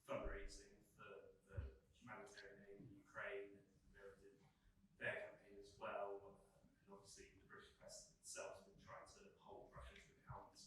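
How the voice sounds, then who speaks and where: A man's voice: on the low side, monotone, moderate pace, long pauses, sharp tone, slightly rough, poor audio. A male journalist asking a question from the audience at a Q&A, hesitant and repeating himself.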